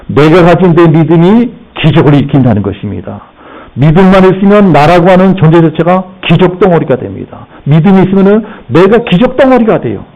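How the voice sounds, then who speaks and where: A middle-aged male pastor delivers a sermon, his pitch sitting fairly high and swinging widely as he acts out rebukes and speaks straight to the congregation. The recording sounds a little dull and lo-fi. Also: a little fast. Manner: animated, voicing Jesus' rebukes with raised pitch; addresses the congregation directly.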